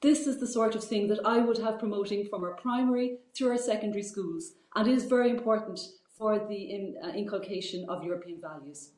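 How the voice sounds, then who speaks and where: A woman's voice: mid-range voice, brisk, hardly any pauses, darkish tone. A middle-aged woman with an Irish accent gives an earnest, formal prepared political speech over a video call. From Ireland. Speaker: regional representative and teacher. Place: indoor office, on a video call. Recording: echoey room over video-call link.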